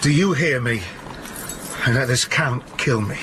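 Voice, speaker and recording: A man's voice: medium pitch, a little slow, background noise, lightly acted. An actor playing a servant confessing his plot in a stage drama, earnest. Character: male conspirator servant, confessing.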